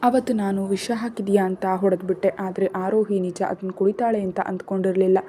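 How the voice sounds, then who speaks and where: A remorseful young husband, voiced by a woman storyteller, quiet and broken, pleading softly. The tone stays dark and mellow. A character from a spoken storybook. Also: mid-range voice, little pitch movement, moderate pace, slight background noise, close to an everyday voice. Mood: grieving. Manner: soft, broken, pleading apologies.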